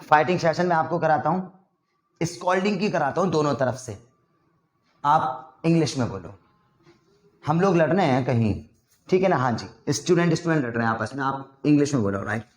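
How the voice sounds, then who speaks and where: Fast-talking male English teacher. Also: a little high, lively intonation. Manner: brisk, lecturing, mixes English words into Hindi. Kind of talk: lesson with scolding role-play demos. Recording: roomy echo.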